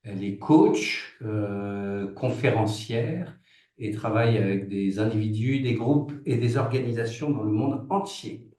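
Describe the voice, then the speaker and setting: A man's voice: lowish voice, measured pace, mellow. A man hosting a webinar and informally introducing a guest, with a hesitant, stop-and-start delivery. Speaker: webinar host. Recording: roomy echo, far from microphone.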